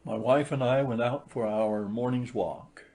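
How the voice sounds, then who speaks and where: A man's voice: medium pitch, steady tone, measured pace, mellow. A man reading a literary short story aloud as an audiobook narrator.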